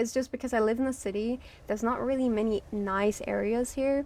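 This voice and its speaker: A woman with a Dutch accent speaks at a moderate pace with fairly even intonation, recorded very cleanly against a silent background. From Belgium. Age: 20s. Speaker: streamer. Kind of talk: casual chat. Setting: live stream.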